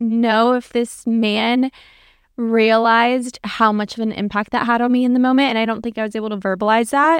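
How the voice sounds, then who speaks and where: A woman with an unremarkable speaking voice talks at a moderate pace, her pitch fairly high. The recording is very clean with a silent background and a dry, close sound with no echo. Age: 20s. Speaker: podcast co-host. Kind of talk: casual faith-based chat.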